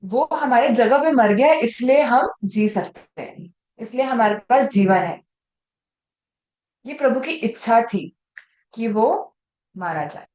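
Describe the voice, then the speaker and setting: Lady sunday school teacher, kinda high voice, lively, quizzing the kids, echoey room. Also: slow. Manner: animated, asks the children questions. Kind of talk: Bible story lesson for children. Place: church room with children, also on a video call.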